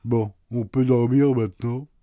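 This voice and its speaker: A man's voice: mid-range voice, fairly even intonation, unhurried, warm tone, dry recording, highs cut off, lightly acted. An actor playing a sleepy, teasing husband in a radio play, answering his wife with dry sarcasm. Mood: grumpy, teasing. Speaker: husband woken at night.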